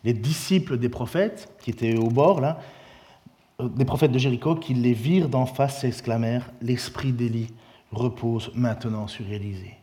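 A man preaching a sermon, in a lively, conversational way with many restarts. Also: medium pitch, normal speed.

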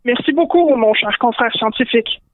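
A stern, wise wizard speaks in a measured, grave way. A woman voices him for a comic radio story. The sound is dry and narrow, like a phone line. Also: on the high side, no echo, natural voice.

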